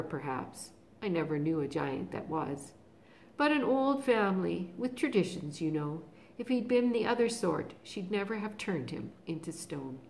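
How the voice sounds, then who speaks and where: A woman voicing a gentle male faun with a gossipy, genteel manner. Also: on the low side, a little hiss or hum.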